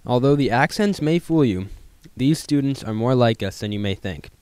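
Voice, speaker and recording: A teenage boy narrating a scripted school news segment in an even read-out manner. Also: mid-range voice, moderate pace, a little hiss or hum. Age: teens. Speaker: student news reporter.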